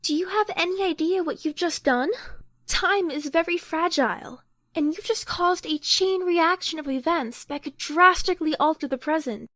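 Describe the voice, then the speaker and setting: A woman's voice: extremely high pitch, normal speed, bright, forceful tone, dry recording. A woman playing a bossy, easily exasperated young time traveller in an audio drama. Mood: scolding.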